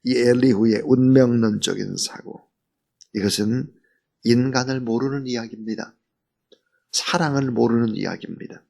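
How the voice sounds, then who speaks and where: Gravelly husky-voiced male pastor preaching. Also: mid-range voice, fairly even intonation, normal speed. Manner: swings from loud emphasis to near whisper; earnest, preaching with rhetorical questions. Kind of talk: early-morning sermon.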